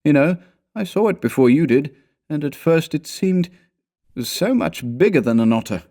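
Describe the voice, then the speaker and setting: A man's voice: on the high side, lively intonation, moderate pace, warm tone, pitched above the performer's own voice. A man voicing a grave, frightened and fatalistic canoe companion in a storybook, speaking with intense foreboding. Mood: grave, wondering. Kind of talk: storybook character dialogue.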